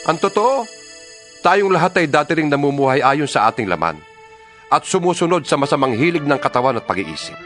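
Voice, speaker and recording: A man reads as the fervent apostle Paul, writer of letters to believers, in a scripted, declamatory audio Bible dramatization with music beneath him. His voice is fairly high, sing-song and a bit bright, while his tone stays solemn and exhortatory with deliberate phrasing.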